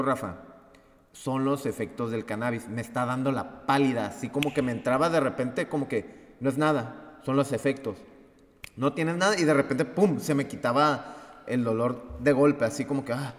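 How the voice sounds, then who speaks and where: A man with a Mexican Spanish accent, a podcast host telling a story casually, full of fillers and animated retelling. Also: mid-range voice, normal speed, big-room sound.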